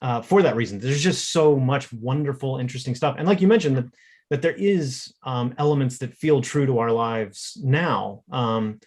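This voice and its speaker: A man's voice: mid-range voice, normal speed, a little mellow. Hesitant man artist on a panel. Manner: hesitant, many fillers. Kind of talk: casual panel talk.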